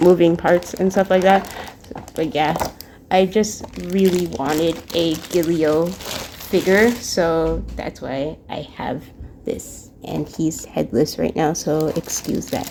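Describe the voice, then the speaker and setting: Against noticeable background noise, a woman speaks at a very slow pace. Her pitch is fairly low, with ordinary variation. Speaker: anime figure reviewer. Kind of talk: casual unboxing review. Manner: casual, filler-heavy.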